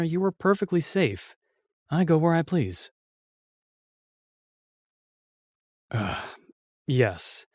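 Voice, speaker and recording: An actor playing a reluctant royal knight, curt and sighing but guardedly kind, in an intimate fantasy audio drama. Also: male voice, medium pitch, no echo, clean studio sound. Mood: irritated, guarded.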